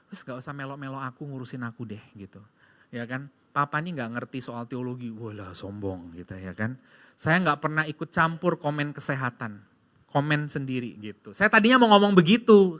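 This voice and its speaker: Lively pastor preaching. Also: male voice, a little high. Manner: lively storytelling, addressing the congregation as "Saudara"; swings from loud emphatic preaching to quiet confessional tones. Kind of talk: sermon. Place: church sanctuary.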